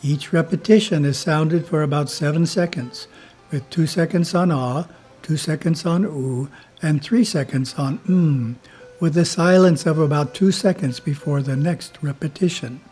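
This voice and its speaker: A man who is a spiritual teacher reads his editorial in a slow, measured way and chants Om between the passages. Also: on the high side, darkish tone, husky, soft background music.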